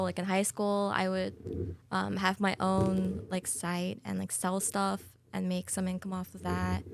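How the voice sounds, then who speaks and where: A young woman of twenty-two talks casually as a podcast guest, her mid-pitched voice carrying a lot of gravelly vocal fry. She hesitates often with fillers, and the recording is close and dry. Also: no echo.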